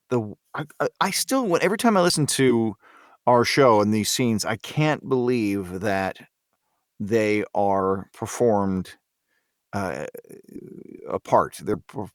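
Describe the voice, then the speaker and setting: A man chatting as a voice actor guest in an interview, halting often as he searches for words. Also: lowish voice, smooth, no echo, clean studio sound. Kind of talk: casual interview discussion.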